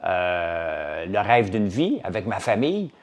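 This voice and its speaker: Brief: lowish-voiced Québécois French man, casual chat with a live audience, rambling, lots of fillers. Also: big pitch swings, slow pace. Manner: rambling, many fillers, jumps between topics. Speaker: farmer and business owner.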